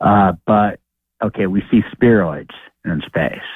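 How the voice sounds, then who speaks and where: With an American accent, a man speaks at a fairly low pitch with ordinary pitch variation. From Idaho. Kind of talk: casual chat. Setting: phone call.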